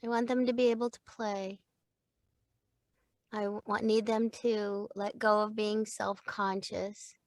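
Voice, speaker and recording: A middle-aged woman, a voice actor and acting coach, chatting in an interview in a lively way and laughing easily. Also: medium pitch, measured pace, dry recording. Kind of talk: casual interview chat.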